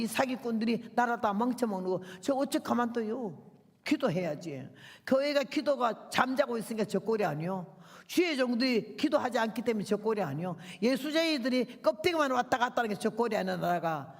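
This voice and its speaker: An older woman, a visiting missionary, preaching a revival sermon in a fiery, emotional, rambling way. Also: a little high. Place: church sanctuary. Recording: long church hall reverb.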